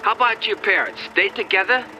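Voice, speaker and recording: A man's voice: high-pitched, a little fast, bright, forceful tone, lo-fi sound, slight background noise, pitched above the performer's own voice. A man voicing a bullying, volatile delivery-truck boss with an American accent, bossy and curt, in an acted story. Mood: upbeat. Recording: music behind the voice.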